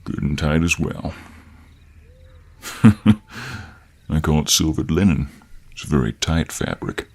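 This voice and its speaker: A man playing a cocky, flirtatious and menacing cowboy monster hunter in an audio roleplay, with a very deep, gravelly voice and a slow American cowboy drawl. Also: heavily acted. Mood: teasing, smug. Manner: slow, teasing drawl with terms of endearment. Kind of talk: intimate scripted audio roleplay.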